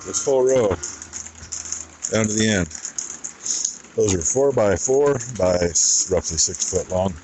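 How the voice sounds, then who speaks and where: Middle-aged male farm vlogger, low-pitched, folksy and rambling, casual chore talk with some background noise. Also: animated, measured pace, a little mellow, low-quality recording. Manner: rambling, folksy, thinking aloud. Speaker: farmer vlogger. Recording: noticeable background noise and rattling.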